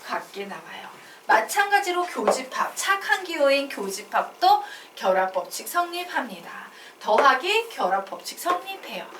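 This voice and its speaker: A woman math teacher lecturing in a high, sing-song voice, asking her class questions and answering them herself. The sound is picked up from a distance in an echoey room, with clear background noise. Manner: animated, asks and answers her own questions.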